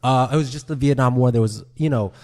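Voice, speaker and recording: A man in his thirties from Colorado, a guest on a podcast, explaining his background in a relaxed way and saying "you know" often. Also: mid-range voice, quick pace. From Boulder, Colorado. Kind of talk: casual interview storytelling.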